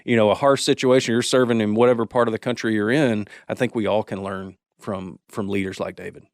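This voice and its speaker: A man's voice: on the low side, fairly even intonation, brisk, dry recording, studio quality. Rambling American man hosting a podcast. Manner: rambling, many restarts and fillers. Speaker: podcast host. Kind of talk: casual podcast chat.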